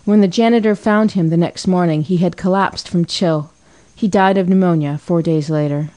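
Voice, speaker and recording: Calm woman audiobook narrator, low and mellow. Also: normal speed. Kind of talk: scripted narration.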